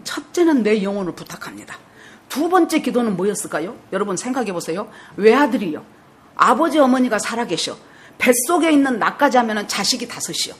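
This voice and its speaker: A woman pastor in her sixties with a Jeolla dialect, telling a story in a sermon and putting questions to her congregation. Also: a little high. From South Jeolla, Korea. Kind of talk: sermon with personal testimony.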